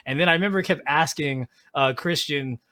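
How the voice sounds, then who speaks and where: A man hosting a podcast in a casual chat, animated and quick to laugh. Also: fairly high pitch. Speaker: podcast host.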